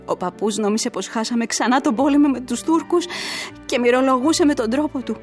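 A woman's voice: sits high, darkish tone, soft background music, close to an everyday voice. An actress playing a grieving young woman who tells her story earnestly and emotionally, as in a letter read aloud in a radio drama.

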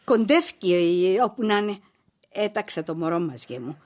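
An actress with a Cypriot Greek accent playing a devout, pious old mother who is gentle but stern. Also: medium pitch. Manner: pious, scolding, lively speech.

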